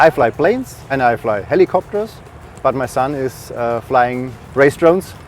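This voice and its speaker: A man with a German accent talks in a friendly, measured way. He answers questions steadily while standing outdoors at a car gathering. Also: mid-range voice, animated, faint music behind. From Bavaria, Germany. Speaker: event attendee interviewed.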